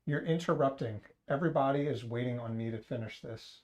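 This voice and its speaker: A man's voice: mid-range voice, a little fast, a little mellow. A man hosting a casual livestream, joking and rambling to his chat. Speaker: livestream host.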